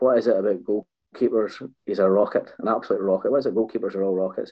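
This man talks at medium pitch with a Scottish accent. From Scotland. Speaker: former footballer. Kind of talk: casual interview.

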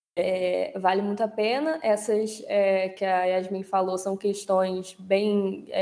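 Noticeable background noise runs under the clip. A woman talks at a medium pitch with fairly even intonation. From Petrópolis, Rio de Janeiro state, Brazil. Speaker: economics student. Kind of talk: casual interview.

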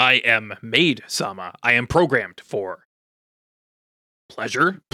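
A man's robotic, put-on character voice, medium in pitch, at a fairly slow pace. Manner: robotic, monotone.

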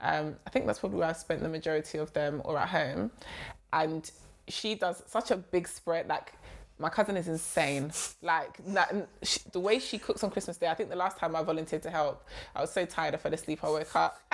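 A woman speaks with a London accent. Her pitch is fairly low, and her pace is fairly quick. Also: ordinary pitch variation, very clean recording, silent background. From England, Wolverhampton (West Midlands). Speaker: podcast co-host. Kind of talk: casual chat.

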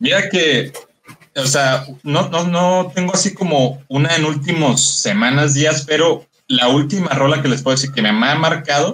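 A man with a Mexican accent speaks at a fairly slow pace and a fairly high pitch. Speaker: podcast guest. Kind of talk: casual chat.

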